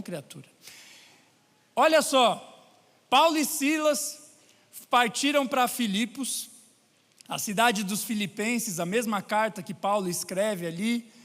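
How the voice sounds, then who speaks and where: High-voiced Brazilian pastor, bright. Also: male voice, big-room sound. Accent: Brazilian Portuguese. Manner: lively and joking with the congregation. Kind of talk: sermon. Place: large church hall.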